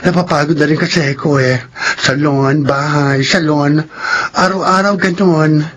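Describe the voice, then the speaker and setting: High-pitched, chatty gay salon owner. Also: male voice, measured pace, a little hiss or hum. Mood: eager, wistful. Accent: Filipino. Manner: playful, expressive, chatty. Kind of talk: Filipino radio drama acting.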